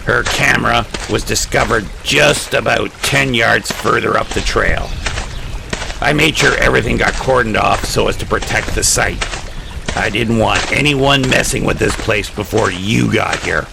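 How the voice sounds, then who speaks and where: A man's voice: lowish voice, a little slow, gravelly. A man acting as a folksy, cooperative sheriff in an audio drama, plain-spoken and easygoing. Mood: matter-of-fact. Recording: noisy ambience behind audio drama dialogue.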